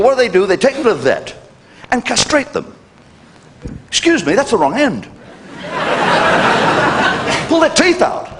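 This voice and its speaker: An older man doing a live stand-up comedy routine, brash and cheeky, with sudden jumps in pitch for punchlines. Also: very noisy. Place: live venue with audience laughter.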